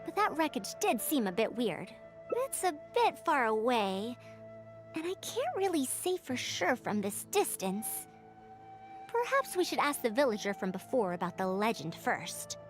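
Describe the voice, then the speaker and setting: High-pitched, proud scholarly lady. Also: big pitch swings, unhurried, faint music behind. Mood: thoughtful, explaining. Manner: formal, bookish phrasing. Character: proud, scholarly woman researcher, brisk and self-assured. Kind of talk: English video game voice acting.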